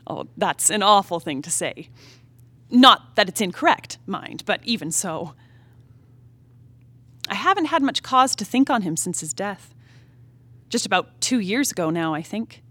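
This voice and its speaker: A woman acting a wilful, discontented young married woman in a period stage drama, in a reflective, halting, emotive soliloquy. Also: mid-range voice, lively intonation, sharp tone. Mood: brooding. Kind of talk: theatrical play reading, period drama monologue. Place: theatre stage, live play reading.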